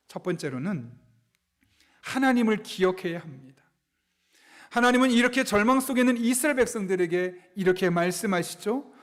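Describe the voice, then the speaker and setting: A male pastor with a very high voice preaches a Sunday sermon in a church sanctuary. He keeps putting rhetorical questions to the congregation and leads them through a unison scripture reading.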